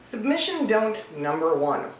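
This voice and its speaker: A woman who works as a voice-over coach and casting director hosts an advice vlog, speaking to camera in a chatty, emphatic, informal way that still feels scripted. Her mid-range voice is sing-song and measured in pace. The mic is distant, leaving a roomy echo and faint noise.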